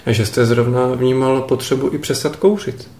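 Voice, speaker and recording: Calm male interviewer in an echoey room. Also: medium pitch. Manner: calm, brief, gently probing questions. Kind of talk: interview questions.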